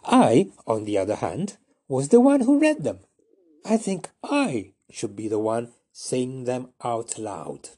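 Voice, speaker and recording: A man voicing a bossy young know-it-all boy in a told story, with a high, haughty voice. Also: huge pitch swings, slow, warm tone, breathy edge, full character voice.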